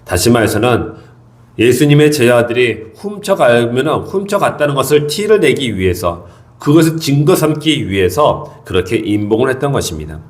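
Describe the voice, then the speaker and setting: Middle-aged man, pastor, dawn sermon; earnest teaching tone, lively pitch movement, stresses points by repeating them. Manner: earnest, expository preaching with repeated emphasis. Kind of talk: early morning sermon.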